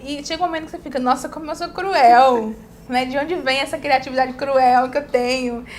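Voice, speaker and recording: Over noticeable background noise, a woman with a high voice speaks at a fairly quick pace with ordinary pitch variation. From Brazil, Ceará (Cariri, Juazeiro do Norte). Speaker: novelist. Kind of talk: interview.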